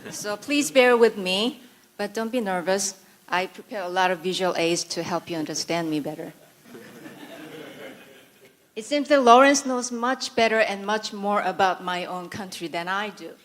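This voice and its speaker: A woman's voice: medium pitch, moderate pace. A woman from South Korea, a native Korean speaker, delivering a prepared conference speech in Korean-accented English, full of dry, sarcastic humor and mock-serious asides.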